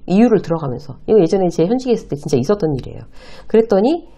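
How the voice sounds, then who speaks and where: A middle-aged woman gives a lively video lecture on workplace communication, speaking straight to her viewers and acting out the lines she quotes. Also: medium pitch, rapid-fire. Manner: animated, addresses viewers directly and acts out quoted lines.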